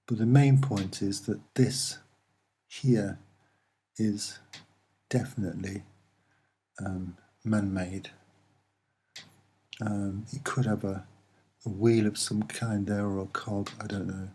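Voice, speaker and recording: Soft spoken guy talking thru images off the cuff, lowish mellow voice, lots of pauses. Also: steady tone, husky. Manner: hesitant, halting, with many pauses. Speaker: amateur video presenter.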